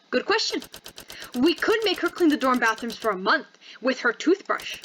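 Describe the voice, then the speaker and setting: A woman plays a powerful, swaggering enforcer in a visual novel. She is smug and casual, taunting with mean jokes in a bright, forceful voice over some noise. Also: high-pitched.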